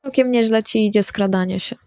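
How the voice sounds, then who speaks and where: A woman playing an earnest, subdued female vampire in a role-playing audio drama, speaking in a quiet, measured way. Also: mid-range voice, no room sound, clean studio sound, faint music behind, lightly acted. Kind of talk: in-character role-play dialogue.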